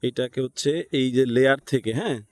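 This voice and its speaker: A man's voice: medium pitch, quick pace, darkish tone, no room sound. A man with a Bangladeshi accent teaching an informal step-by-step screen tutorial, thinking aloud and checking in with listeners. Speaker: tutorial instructor.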